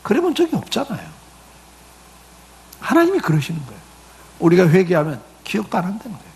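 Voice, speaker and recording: Brief: middle-aged man, pastor, talky sermon with questions to the congregation, somewhat high, gravelly voice. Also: wildly swooping pitch, a little fast, darkish tone. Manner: conversational preaching with acted quotes and rhetorical questions.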